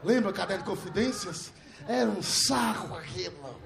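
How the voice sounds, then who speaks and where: A middle-aged man telling a profane stand-up comedy story on a live stage, laughing through his lines and shouting when he acts out the people in it. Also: sits high, moderate pace, gravelly. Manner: loud, laughing, animated, profane, slips into shouted voices for characters.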